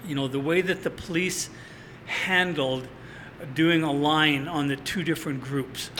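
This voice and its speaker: A man with a western Canadian accent speaks at a fairly slow pace, his pitch fairly high. His intonation is fairly even, and background noise is noticeable. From central Alberta, Canada. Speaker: news cameraman and producer. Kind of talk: casual chat.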